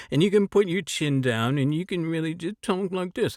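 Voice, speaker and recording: Someone puts on a whiny character voice and keeps to a moderate pace. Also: man, high pitch for a man. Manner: whiny, sad.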